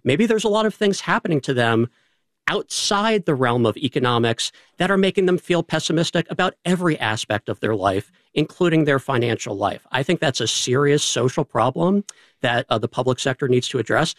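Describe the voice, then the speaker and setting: A man's voice: mid-range voice, lively intonation, no room sound, clean studio sound. New York–accented male economist. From New York City. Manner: articulate, deliberate, uses rhetorical questions. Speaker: state economist, panel guest. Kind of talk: measured expert explanation.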